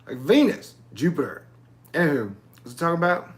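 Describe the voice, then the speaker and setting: With a sing-song lilt and a fairly quick pace, this man's voice leans high. He's a channel host in his forties, drifting through a digressive monologue and cursing now and then.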